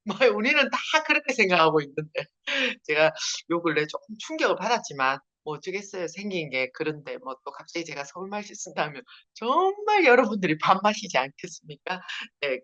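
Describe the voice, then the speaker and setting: A woman's voice: fairly low pitch, fairly bright tone. A woman from Busan with a strong Gyeongsang accent, giving a chatty seminar talk over a video call and laughing often. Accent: Busan Gyeongsang dialect. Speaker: network marketing leader giving a seminar. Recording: dull lo-fi video call audio.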